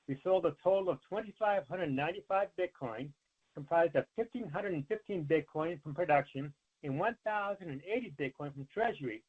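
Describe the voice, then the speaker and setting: A man, a company finance executive, reading prepared earnings remarks in a formal, measured way over a conference call line. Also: sits high. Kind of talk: scripted earnings call presentation. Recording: narrow, tinny conference phone line.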